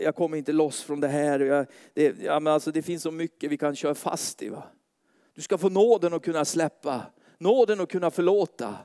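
A man's voice: a little high, smooth. A man preaching at a church meeting and praying aloud with fervent, rising intensity. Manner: fervent, rising to loud pleading prayer. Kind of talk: sermon and spoken prayer.

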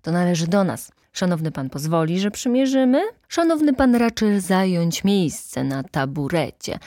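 A woman's voice: on the low side, sing-song, normal speed, mellow, dry recording, studio quality. A woman voicing a foppish young male shop clerk in an audiobook, glib and theatrical, with effusive, exaggerated politeness. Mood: obsequious, brisk.

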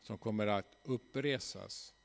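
A man's voice: on the low side, creaky. A Swedish man preaching a church seminar in a folksy, ironic way, often tagging his sentences with a questioning "va?". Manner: folksy, ironic, frequent tag "va?". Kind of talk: seminar sermon. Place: church hall.

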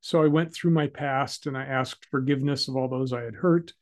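Calm, reflective male podcast guest. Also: medium pitch, fairly quick. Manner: calm and reflective, with hesitant fillers. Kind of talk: recounting a personal story in an interview.

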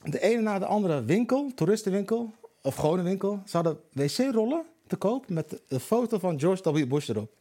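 A man's voice: high voice, expressive, normal speed, mellow. A man who is a guest on a casual podcast, rambling and stumbling over repeated words.

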